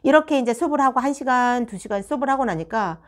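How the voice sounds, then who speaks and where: Woman, middle-aged, study room teacher, storytelling, lively pitch, acts out dialogue. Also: fast. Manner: animated, acts out quoted dialogue. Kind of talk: storytelling monologue.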